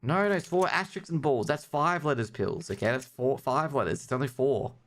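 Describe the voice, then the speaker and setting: Brisk and fairly bright, this medium-pitched male voice delivers jokey, casual live esports commentary. He keeps up informal banter with his chat. Clicks and background noise are clearly audible in the recording.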